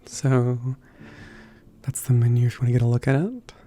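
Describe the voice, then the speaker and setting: A man playing a kind, slightly awkward stranger in an ASMR roleplay, speaking gently and hesitantly with soft, casual phrasing. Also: mid-range voice, slight background noise, lightly acted. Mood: warm, attentive. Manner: gentle, hesitant, softly chuckling, halting with thinking pauses.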